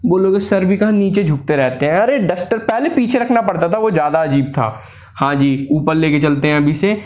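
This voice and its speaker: A physics teacher works through a derivation on the blackboard one step at a time, addressing students as sir and beta and slipping English formula terms into his speech. He sounds a little high, lively and fairly quick, with a darkish tone.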